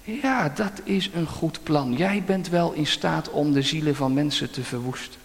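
A man voicing Satan as a cold, commanding devil chief who is slow, grave and dismissive, in a sermon story. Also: a little high, vocal fry. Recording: long church-hall reverb.

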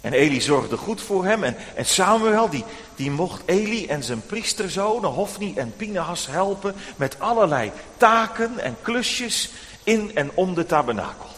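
Lively preacher telling children a story. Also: male voice, high-pitched, unhurried, long reverb tail. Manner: animated, addressing children directly.

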